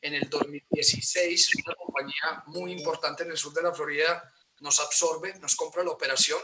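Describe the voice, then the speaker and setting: A Colombian man in his forties with an Antioquian accent, hosting an online presentation in a warm, polite way, often pausing with fillers. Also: a little high, steady tone, background noise. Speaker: host and real estate broker. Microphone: video call.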